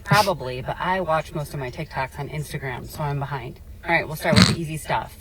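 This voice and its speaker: A woman delivering a comedic list of jokes in a wry, deadpan way. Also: low voice, a little fast, heavy background noise.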